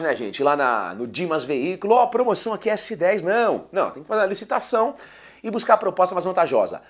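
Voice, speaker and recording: Lively, nasal male teacher with a cold. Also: high voice. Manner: lively, chatty, addresses students as "gente". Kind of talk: exam-prep lecture.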